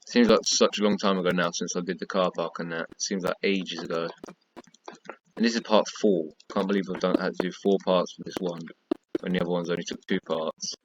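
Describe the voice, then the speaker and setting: A tired gaming tutorial creator whose voice is fading casually talks through a block-building tutorial while working, repeatedly counting and pointing things out. His voice is low, fairly even and fairly quick, with the highs cut off and slight background noise.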